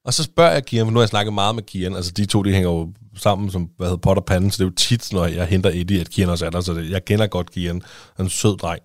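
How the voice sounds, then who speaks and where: A man co-hosting a podcast, casually telling a lively anecdote with acted-out dialogue and some swearing. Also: sits low, hardly any pauses, dry recording, studio quality. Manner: animated storytelling, swearing, acting out dialogue. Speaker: podcast co-host. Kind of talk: casual chat.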